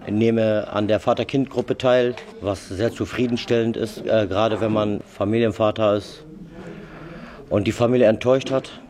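A man's voice: fairly low pitch, steady tone, moderate pace, a little mellow. A man in his thirties speaking earnestly and reflectively in an interview. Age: 30s.

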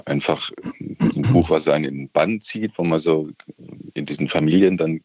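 A man's voice: extremely low pitch, normal speed, darkish tone, dry recording, lo-fi sound. A middle-aged man with a Saxon accent calling in to a radio show, talking hesitantly with many fillers and restarts. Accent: Saxon German. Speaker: radio caller. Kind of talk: casual phone-in chat. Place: on holiday by the sea.

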